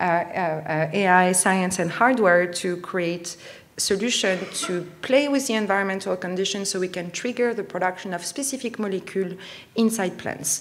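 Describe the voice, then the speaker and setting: A woman with a French accent at a moderate pace, with audible room echo and noticeable background noise. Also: medium pitch for a woman, ordinary pitch variation. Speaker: company founder and CEO. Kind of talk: conference presentation. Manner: halting, many fillers.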